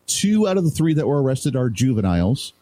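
A man's voice: mid-range voice, very animated, fairly quick, mellow. A man sitting in as a talk radio host, chatting loosely and laughing easily with his co-host. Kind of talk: casual talk radio chat.

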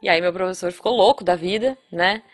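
A Brazilian woman from the São Paulo area, hosting a casual podcast chat and telling a story with lively acted-out quotes. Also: on the low side, brisk, faint music behind. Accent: Brazilian Portuguese, São Paulo area. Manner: animated storyteller acting out quotes. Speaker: podcast host.

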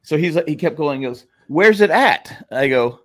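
Lively-voiced older man, rambling storyteller. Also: on the high side, normal speed. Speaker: podcast co-host. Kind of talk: casual chat.

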